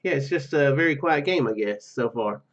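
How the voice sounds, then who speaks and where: A man hosting a gaming video, commenting casually and reading game text aloud in a halting, rambling way. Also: medium pitch, expressive, muffled recording.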